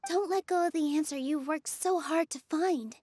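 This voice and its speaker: Actress voicing a young woman dancer, earnest, gentle, sincere, high voice. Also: moderate pace, natural voice. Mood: encouraging.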